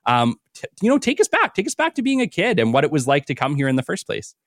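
A man's voice: a little high, wildly swooping pitch, quick pace, no echo, studio quality. A man hosting a business podcast, reading a polished guest introduction and then chatting in an upbeat, enthusiastic way. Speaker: podcast host. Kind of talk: scripted intro reading, then casual interview chat.

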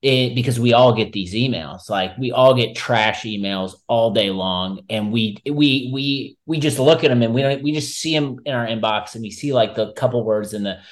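A man's voice: mid-range voice, normal speed, few pauses. A man hosting a marketing podcast, talking casually and emphatically in informal, slightly salty language. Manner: informal, emphatic, mildly profane. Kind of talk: casual conversational anecdote and commentary.

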